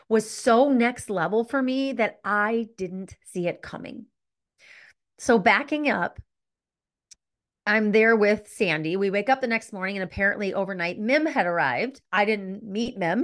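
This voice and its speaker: A woman's voice: mid-range voice, unhurried. A middle-aged woman hosting a solo podcast, telling a personal story candidly and reflectively, often stopping to correct herself. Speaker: podcast host.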